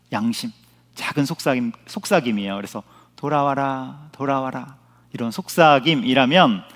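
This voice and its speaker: A man's voice: medium pitch, a bit bright, long reverb tail. A male pastor preaching at a Friday prayer meeting, emphatic, repeating key phrases and asking the congregation questions. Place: church sanctuary.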